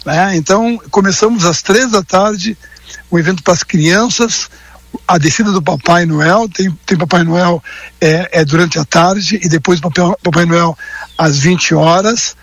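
Man, high voice, over a phone line, radio call-in guest, halting, lots of fillers. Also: fairly bright tone, dry recording. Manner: hesitant, many fillers and restarts. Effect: heard over a phone line. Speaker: guest, event organizer calling in. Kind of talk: live radio phone-in chat.

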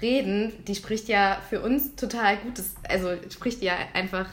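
A woman's voice: mid-range voice, measured pace, echoey room. A young German woman in casual conversation, thinking aloud with many fillers. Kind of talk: casual chat.

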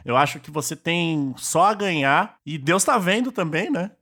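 A man's voice: fairly high pitch, expressive, sharp tone. A man co-hosting a casual podcast chat, joking around and stretching his bits out for comic effect. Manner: jokey, drawn-out comic riffing. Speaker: podcast co-host.

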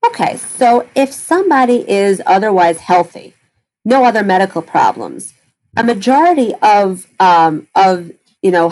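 A woman's voice: medium pitch, darkish tone, poor audio. A woman gastroenterologist answering interview questions, explaining in detail with frequent fillers and restarts.

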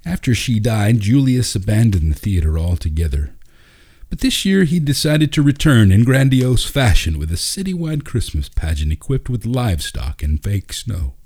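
Male narrator for short fiction; low-pitched voice, scripted storytelling delivery. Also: big pitch swings, moderate pace, darkish tone, husky.

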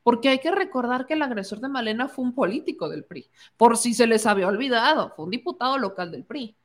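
A woman's voice: a little high, expressive, fast talker. A woman with a Mexican accent giving opinionated political commentary, indignant and sarcastic, mocking the people she quotes.

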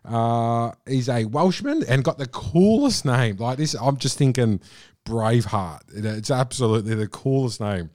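A man's voice: medium pitch, expressive, normal speed, a little mellow, no echo, studio quality. A man hosting a podcast, effusive and piling on superlatives as he introduces and questions his guest. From Australia. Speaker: podcast host. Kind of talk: enthusiastic podcast interview. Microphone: remote call.

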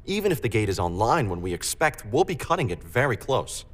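A man's voice: mid-range voice, sing-song, a little fast. A man playing a sober, technical fleet officer in a science fiction audio drama, matter-of-fact in delivery. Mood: cautious.

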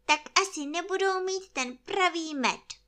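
A woman reading a storybook, voicing a naive, cheerful little honey-loving teddy bear in a high, sing-song, earnestly silly way. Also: bright, forceful tone.

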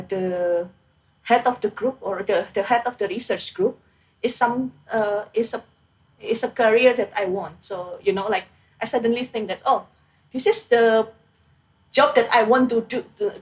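A woman's voice: mid-range voice, a little slow, low-quality recording. A young woman from Indonesia in a casual interview, talking about her PhD path with many fillers and restarts.

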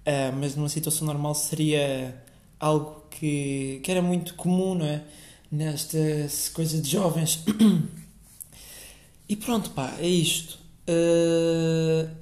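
A man's voice: a little high, a little mellow. A young man with a European Portuguese accent hosting a casual solo podcast, rambling and swearing freely with lots of filler words. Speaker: podcast host. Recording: echoey room.

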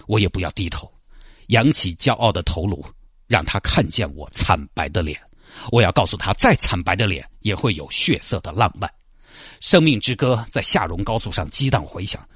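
A man's voice: low-pitched, a bit bright, slightly rough, no echo, studio quality. A man with a Sichuanese accent telling a comic story, sliding into mock-solemn, pseudo-poetic recital.

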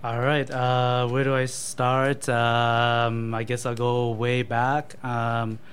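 A man's voice: mid-range voice, completely flat delivery, slow pace, a bit bright, clean tone. A man being interviewed as a company guest, thoughtful and hesitant, filling his answers with ums and uhs. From born in Thailand to Cambodian parents, raised in Canada. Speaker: marketing manager and guest.

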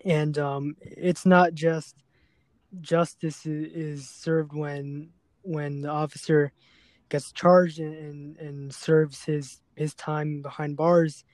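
Guy hosting a serious podcast, kinda halting and earnest, mellow voice, dry sound. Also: on the high side, flat delivery, dry recording. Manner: halting, hesitant, repeats words. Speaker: podcast host. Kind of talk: serious, unscripted podcast conversation.

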